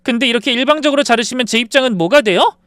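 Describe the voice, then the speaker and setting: A smug, scheming young daughter-in-law, as a man puts her on, coldly polite and defiant. The voice is high, smooth and clear, set in a dry, close recording. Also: rapid-fire, pushed and bright, no room sound. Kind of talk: dramatized story reading.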